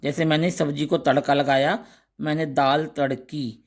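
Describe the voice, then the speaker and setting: A man teaching a grammar lesson, slowly reciting pairs of words one by one and adding short explanations. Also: a little high, fairly even intonation. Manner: slow, deliberate recitation of word lists with brief explanations.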